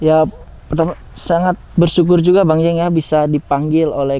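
At a moderate pace, a man with a fairly high voice speaks in a dark, mellow tone, with a dry sound and no echo. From West Java, Sukabumi; West Java. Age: 20s. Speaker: professional footballer. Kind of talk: interview. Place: garden. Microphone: lapel.

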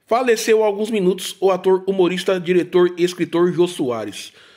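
A man with a Brazilian accent and a high pitch, on a very clean recording with a silent background. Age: 30s. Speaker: YouTuber. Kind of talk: casual commentary to viewers; reading aloud news article.

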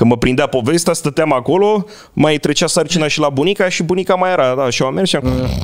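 A man's fairly high-pitched, fairly quick delivery with very even loudness and ordinary pitch variation. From Romania, Călărași county; Romania. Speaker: cemetery historian and tour guide; podcast guest. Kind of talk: casual chat. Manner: fast. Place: studio. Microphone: studio mic.

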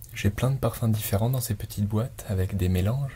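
Over light background noise, a soft-spoken man with a dark, mellow, somewhat breathy tone talks at a moderate pace in a calm, gentle manner, with ordinary pitch variation. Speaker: ASMR relaxation video creator and tiny house dweller. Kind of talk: ASMR relaxation talk to camera, guided evening. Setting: binaural headset microphone recording at home. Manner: soft-spoken, calm, gentle. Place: home room. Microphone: phone near.

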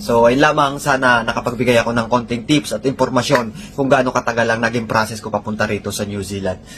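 A man talks at a fairly quick pace in a medium pitch with ordinary pitch variation, over noticeable background noise. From Philippines. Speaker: overseas worker vlogger. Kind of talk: vlog monologue. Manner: halting, many fillers.

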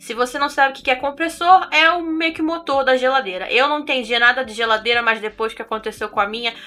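A high-pitched woman at a fairly quick pace, with lively intonation. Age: 30s. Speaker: beauty youtuber. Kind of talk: casual chat to camera while doing makeup. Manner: conversational.

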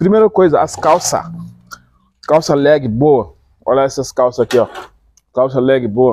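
A man speaks fairly slowly in a dark, mellow tone with lively intonation and very even loudness, leaving long, frequent pauses. The sound is dry with no echo, with light background noise. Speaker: store owner. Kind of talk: sales pitch. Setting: shop. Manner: repetitive, with 'entendeu?' and 'tá?' after nearly every point. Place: shop. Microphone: phone near.

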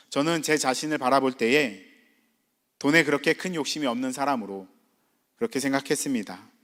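A man with a fairly high pitch talks at a fairly quick pace, leaving long, frequent pauses. His pitch varies in an ordinary way on a very clean recording with a silent background. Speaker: preacher. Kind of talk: sermon. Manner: formal.

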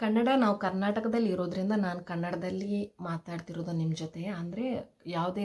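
Speaking in a coastal Karnataka accent, a woman uses medium pitch, a dark, mellow tone and fairly even intonation. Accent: coastal Karnataka accent in Kannada. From Dakshina Kannada, India. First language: Beary (speaking Kannada). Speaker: food and vlog YouTuber. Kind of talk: casual talk to camera.

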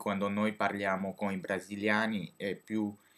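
A man speaks at a fairly slow pace with a fairly low pitch and monotone, flat intonation. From Belgium, Chinese-speaking family. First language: French (speaking Italian). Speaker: vlogger learning Italian; language learner vlogger. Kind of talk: casual video blog. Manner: halting, many fillers and restarts. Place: home room. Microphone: webcam.

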